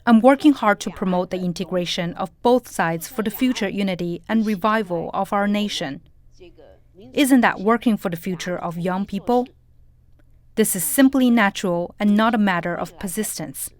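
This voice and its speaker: Steady woman voicing an English translation. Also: medium pitch, moderate pace. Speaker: interpreter voice-over.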